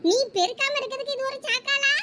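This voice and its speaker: A woman's voice: very high-pitched, fast talker, bright, forceful tone, a little hiss or hum. A woman voicing a nagging, bossy village mother in a cartoon, speaking Thoothukudi Tamil slang. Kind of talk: cartoon voice acting.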